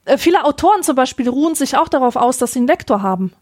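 A woman's voice: high voice, animated, rapid-fire, a little mellow, no room sound, studio quality. A young woman, co-hosting a podcast, talking in a thoughtful, reflective way. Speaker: podcast co-host, author. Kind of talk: casual chat.

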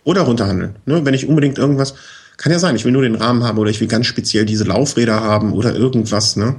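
A man's voice: medium pitch, fast talker, slightly rough. A man giving practical advice as a guest in a casual chat, explaining step by step and often checking in with short tag questions. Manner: relaxed, explains step by step, frequent "ne?" tags and fillers. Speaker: bicycle expert guest.

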